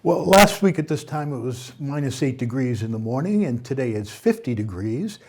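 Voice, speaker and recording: A man's voice: mid-range voice, animated, normal speed, darkish tone. A man anchoring a local weekly news program, introducing stories in a friendly, conversational way.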